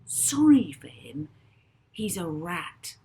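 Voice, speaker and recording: A woman's voice: on the low side, very animated, slow pace, warm tone, exaggerated voice. A woman voicing a bossy girl with a blunt, scornful way of speaking. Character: bossy, sharp-tongued girl.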